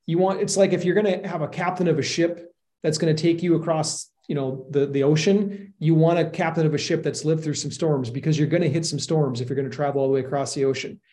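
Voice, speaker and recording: A man's voice: on the high side, fairly even intonation, quick pace, dark tone. A middle-aged man who invests in real estate, earnestly explaining his cautious approach in a casual podcast chat. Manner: earnest, explains with analogies and worst-case caution.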